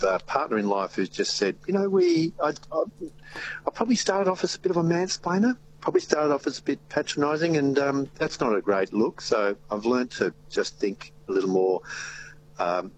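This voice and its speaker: A man's voice: lowish voice, big pitch swings, brisk, a little hiss or hum, rough recording. A man with an Australian accent hosting a radio show, chatting playfully and poking fun at himself. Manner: playful, self-deprecating, talks in bursts. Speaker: radio host. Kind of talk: casual radio chat. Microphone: studio microphone.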